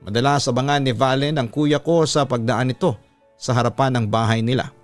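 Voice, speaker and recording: A man's voice: medium pitch, fairly even intonation, a little fast, faint music behind. A man reading a listener's personal letter aloud as a scripted, storytelling radio-style narration.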